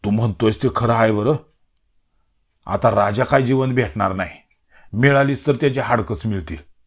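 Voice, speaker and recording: A man's voice: on the low side, moderate pace, husky. A man voicing a bold, hot-tempered village man with a rural Marathi dialect, talking bluntly and scolding.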